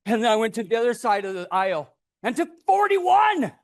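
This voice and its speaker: A man delivers a tall tale as a speech, with a very lively, swooping pitch. His delivery is deliberate and dramatic, built for storytelling, and he slips into acted voices along the way. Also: vocal fry. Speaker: club storyteller giving a speech.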